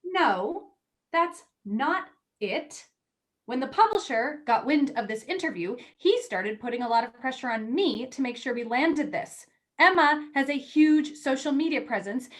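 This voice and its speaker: A woman playing an eager, teasing young magazine editor in a staged play reading, talking in animated, halting bursts as she persuades. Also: high voice. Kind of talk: virtual staged play reading, naturalistic dialogue.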